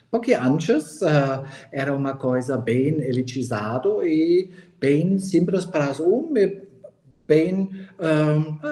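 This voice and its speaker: With a German accent, the speaker goes at a very slow pace with ordinary pitch variation over noticeable background noise. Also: man. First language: German (speaking Portuguese). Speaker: school coordinator, educator. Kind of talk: interview. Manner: halting, many fillers.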